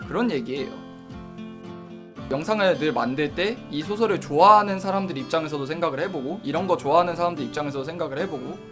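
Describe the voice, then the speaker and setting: A man streaming live, reasoning aloud about reviewing novels, often stopping to correct himself and answer chat. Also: fairly high pitch. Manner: reads and answers viewer chat; says he doesn't use a dialect.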